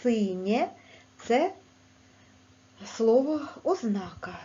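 A woman teaching young children a language lesson, speaking clearly in a sing-song teacher manner with a Ukrainian accent. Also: highs cut off. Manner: slow, clear, sing-song teacher talk with lively pitch. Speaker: primary school teacher.

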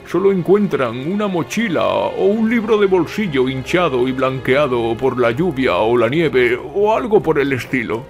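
A man playing an older narrator haunted by memory, telling a horror story dramatically in the first person. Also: medium pitch. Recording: music behind the voice.

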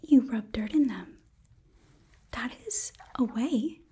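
A young woman playing an eager, apologetic demon princess who runs a hotel, gently whispering in an ASMR roleplay with a hesitant manner. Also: on the high side, expressive, slow, slightly rough, exaggerated voice. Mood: gentle, reassuring. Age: young adult. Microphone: close microphone, seated before camera.

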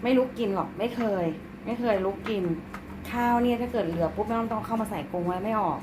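A woman's voice: a little high, quick pace, background noise. A middle-aged woman chatting casually at home about her pets, cooing to her cats in baby talk. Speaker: pet owner filming her cats and rabbits. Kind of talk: casual chat to pets and viewers.

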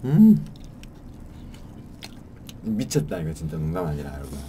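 A man hosting a mukbang, talking excitedly while chewing. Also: a bass voice, a little slow, noisy background. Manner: excited, emphatic. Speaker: mukbang host. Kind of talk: casual mukbang chat.

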